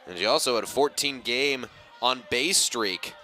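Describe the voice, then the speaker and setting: Male color commentator, conversational analysis, mid-range voice, bright forceful tone. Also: medium pitch, normal speed, soft background music.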